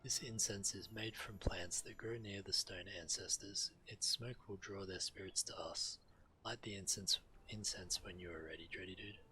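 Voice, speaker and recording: A man's voice: sits low, fairly even intonation, normal speed, sharp tone, slight background noise, poor audio. A man reading solemn fantasy quest dialogue of tribal villagers aloud on a game stream.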